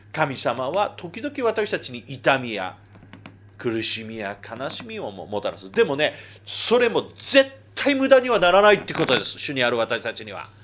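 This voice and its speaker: Lively Japanese male pastor preaching. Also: fairly high pitch. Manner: conversational, swings between loud emphasis and hushed asides. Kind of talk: sermon.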